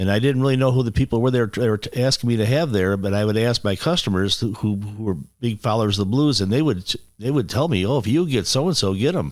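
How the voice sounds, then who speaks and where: The speech is very fast, with lively intonation and very even loudness. The recording is very clean, with a silent background. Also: man, medium pitch for a man. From western New York (Pittsford, near Rochester). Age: 60s. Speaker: pub and music venue owner. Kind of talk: radio interview.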